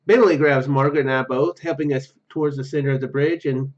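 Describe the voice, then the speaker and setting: A man's voice: mid-range voice, steady tone, fast talker, lo-fi sound. A man reading a visual novel aloud and commenting casually, often stumbling over his words. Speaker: gaming YouTuber.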